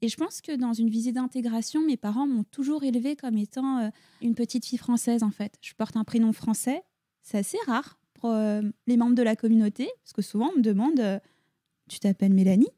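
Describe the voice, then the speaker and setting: A woman's voice: a little high, a little fast, dark tone, dry recording, clean studio sound. A woman in her thirties from France, a clinical psychologist, talking chattily with many fillers as an interview guest in her office. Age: 30s. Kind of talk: casual conversational interview.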